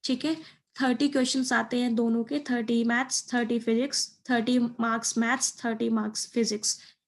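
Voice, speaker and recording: A woman with a rather high voice gives an informal exam-prep explainer over slides at a moderate pace and a level tone. She mixes in English terms and keeps checking in with a short tag phrase.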